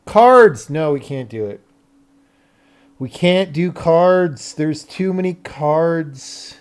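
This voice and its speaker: A man's voice: fairly high pitch, expressive, slow, smooth. A man who hosts a game development livestream, chatting casually in a dry, grumbling, offhand way.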